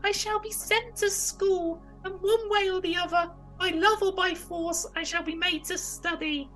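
A storybook puppet boy, extremely high and childish in voice. He is insolent, headstrong and short-tempered, ordering others about as soft music plays behind him. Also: fairly even intonation, unhurried, exaggerated voice, rough recording. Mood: defiant. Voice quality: high-pitched, childlike put-on voice. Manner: defiant, bossy. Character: naughty, insolent wooden puppet boy, quick to anger.

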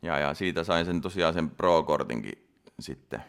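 A man's voice: a bass voice, vocal fry, fairly bright tone, clean tone. A man in his thirties, a competitor, telling a story in a casual interview with many restarts and fillers. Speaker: bodybuilding competitor guest.

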